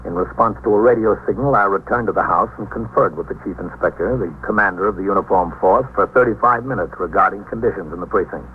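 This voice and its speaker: A man playing a measured police captain narrating. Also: sits low, close to an everyday voice. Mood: calm. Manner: measured, matter-of-fact. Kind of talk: 1950s radio drama narration. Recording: tinny old radio recording with faint hiss.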